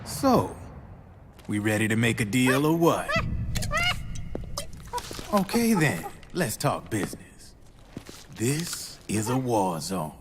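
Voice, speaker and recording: A man playing a smooth, wry black-market gun dealer in a video game cutscene, with slangy, easygoing sales patter. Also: medium pitch, very animated, slow pace, pauses often, noisy background. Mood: businesslike, persuasive.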